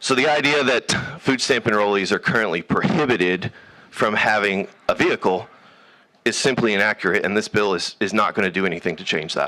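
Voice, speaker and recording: A man with a Southern US accent, fairly quick in pace, bright and sharp in tone, with ordinary pitch variation. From Arkansas. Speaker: policy advocate. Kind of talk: legislative testimony.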